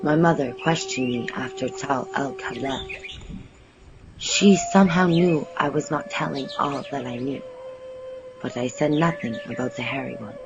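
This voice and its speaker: A man playing a young Native American maiden, telling a story in first person with simple, measured, earnest delivery in an audio drama. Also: on the high side, huge pitch swings, highs cut off, music in the background, full character voice. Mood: earnest, secretive.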